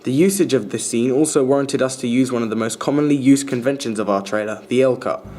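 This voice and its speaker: A young adult man reading a scripted analytical commentary in a formal, measured way. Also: mid-range voice, darkish tone. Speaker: student filmmaker explaining their trailer.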